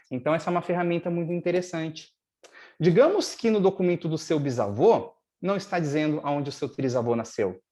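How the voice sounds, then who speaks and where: A man's voice: high voice, mellow. Man explaining legal steps at length. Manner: didactic, long-winded, stressing key points. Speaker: lawyer and guest speaker. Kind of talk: explanatory talk in a live webinar.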